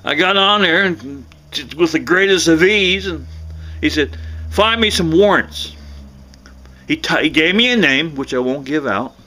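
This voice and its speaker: A middle-aged American man telling a personal story casually to camera in a folksy, halting way, often repeating himself. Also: a little high, lively intonation, bright, forceful tone. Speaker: vlogger.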